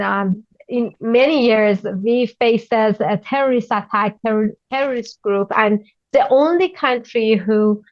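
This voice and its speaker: A woman from Iran with a Persian accent, answering news interview questions as a journalist in halting, non-native English, often searching for words. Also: medium pitch, dry recording, highs cut off.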